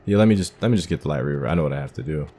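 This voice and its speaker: Very deep-voiced man thinking aloud while gaming. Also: expressive, racing, mellow. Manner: thinking aloud, muttering to himself. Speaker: gamer, video game playthrough host. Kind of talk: casual, unscripted gameplay commentary.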